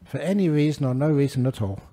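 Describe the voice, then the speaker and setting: An older man, a Buddhist monk giving a gentle, humorous dharma talk to a gathering. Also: a little high, expressive, fast. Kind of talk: relaxed dharma talk with anecdotes.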